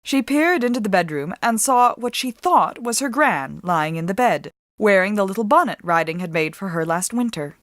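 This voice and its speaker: A woman narrating a story as a dramatic reading, with deliberate, expressive storytelling. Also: mid-range voice, no echo. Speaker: author and storyteller.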